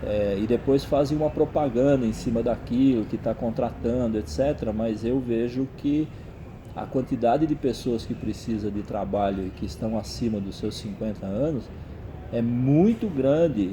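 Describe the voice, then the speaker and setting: Here a man at medium pitch speaks at a moderate pace with ordinary pitch variation. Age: 60s. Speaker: human resources consultant. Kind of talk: interview. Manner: hesitant, frequent fillers.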